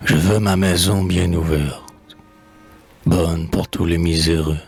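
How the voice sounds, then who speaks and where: A man reciting poetry in a solemn, dramatic style, with measured phrasing and a husky, gravelly voice that drops into breathy near-whispers. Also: low voice, fairly even intonation, darkish tone, faint music behind. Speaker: poet reading poems aloud.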